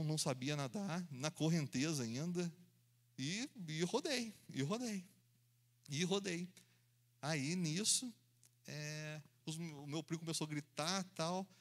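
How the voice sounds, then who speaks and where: A preacher delivers a storytelling sermon, animatedly performing the voices and sound effects of his story himself. His voice is fairly high for a man and a little slow, and he frequently laughs along while speaking.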